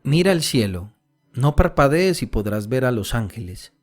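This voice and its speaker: A man's voice: mid-range voice, big pitch swings, moderate pace, soft background music, voice pushed up, natural voice. A man voicing a pious little peasant girl who earnestly tells another child about God, angels and the end of the world. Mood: awed. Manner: storytelling, mimics her mother tenderly.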